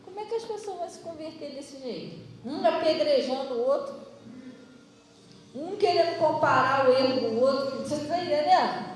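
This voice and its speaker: A woman pastor with a Brazilian Portuguese accent, giving a sermon full of personal testimony and telling her story in an animated way. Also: high-pitched, moderate pace. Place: large church hall. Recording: echoey hall, voice from far off, faint noise.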